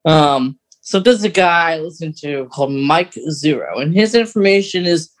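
A man's voice: fairly high pitch, expressive, normal speed. A man co-hosting a podcast, chatting casually and rambling informally through fandom news. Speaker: podcast co-host.

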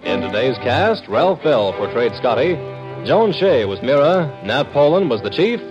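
A man's voice: medium pitch, big pitch swings, unhurried, lo-fi sound. A man with an American accent announcing a radio show from a script in an emphatic, theatrical 1950s style. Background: loud orchestral music.

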